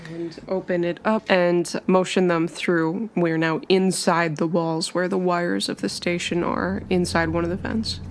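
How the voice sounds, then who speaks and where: A woman's voice: fairly low pitch, flat delivery, unhurried, hardly any pauses, a little hiss or hum. A woman narrating her character's actions as a player in a tabletop roleplaying game.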